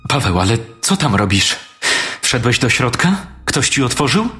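A man's voice: mid-range voice, sing-song, normal speed, sharp tone, breathy edge, faint music behind, exaggerated voice. A man playing an anxious, shaken friend. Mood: worried. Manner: anxious, questioning.

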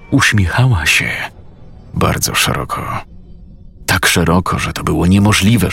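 A man narrates a first-person horror story in a slow, suspenseful manner. His voice is deep and breathy, and soft music plays beneath the telling. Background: faint music.

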